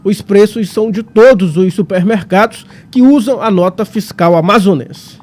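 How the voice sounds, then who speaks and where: A man co-hosting a news show, reading out a consumer item in a brisk newsreader way with chatty asides. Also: sits high, a little mellow, slight background noise. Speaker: news co-host.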